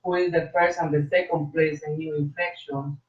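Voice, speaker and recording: A trans woman guest on a call-in radio discussion, speaking passionately in halting bursts with many repeated words. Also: low-pitched, flat delivery. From South Florida. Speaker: guest, agency leader. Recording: echoey, distant, dull sound.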